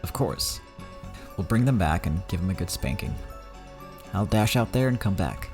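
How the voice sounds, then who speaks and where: A man's voice: sits low, animated, moderate pace, music in the background. A man voicing a blunt, scolding middle-aged father in a visual novel reading. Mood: gruff. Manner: curt, scolding.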